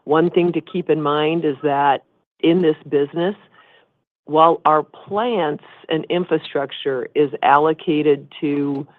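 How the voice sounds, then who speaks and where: A woman chief executive answering questions on an earnings call in a measured, explanatory way. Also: deep voice, fairly even intonation, no room sound. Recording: muffled narrowband conference phone line.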